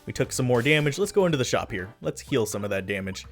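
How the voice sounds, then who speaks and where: A man's voice: mid-range voice, lively intonation, fast talker. Chatty self-deprecating man commentating gameplay. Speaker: let's play commentator. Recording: faint game music behind.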